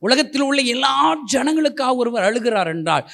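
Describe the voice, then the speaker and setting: A male preacher, giving a revival sermon, moving from quiet storytelling to shouted appeals. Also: extremely high pitch, expressive, a little fast, creaky. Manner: impassioned, swings from soft storytelling to shouted appeals.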